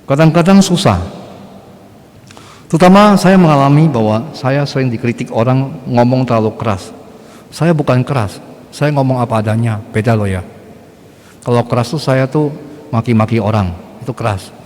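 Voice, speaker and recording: A man's voice: mid-range voice, moderate pace, pauses often, a little mellow. A middle-aged male Catholic priest preaching a sermon in a blunt, conversational way, firing rhetorical questions at the congregation. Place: church. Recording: long church reverb.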